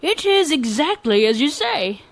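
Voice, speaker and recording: A lazy, arrogant young man lounging in a shed talks in a loud, slow drawl. A woman reading a fairy tale puts him on. He sounds indifferent and haughty. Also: high-pitched, very animated, vocal fry, pitched above the performer's own voice, exaggerated voice, low-quality recording.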